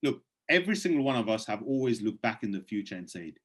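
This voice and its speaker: A man presenting on a video call and then answering chat questions. He is persuasive and emphatic, pushes his voice up sharply on key points, and sounds hoarse, clearing his throat from time to time. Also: on the low side, sing-song, quick pace, a bit bright. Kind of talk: webinar presentation with live Q&A.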